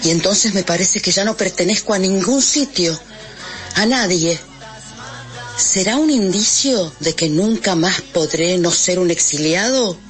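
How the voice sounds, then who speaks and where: Woman reading poetry, low and unhurried, with soft music behind her. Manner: slow, measured, reflective. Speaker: poetry reader on radio. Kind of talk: poetry recitation.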